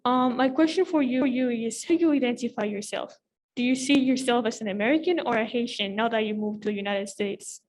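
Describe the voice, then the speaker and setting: High-voiced teenage girl, off-mic. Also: a little fast, a little mellow. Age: teens. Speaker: student interviewer.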